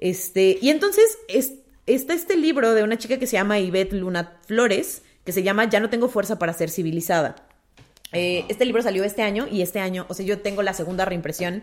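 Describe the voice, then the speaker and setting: Speaking with a Mexican accent, a woman shows ordinary pitch variation. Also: medium pitch for a woman. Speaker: podcast co-host. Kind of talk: casual chat.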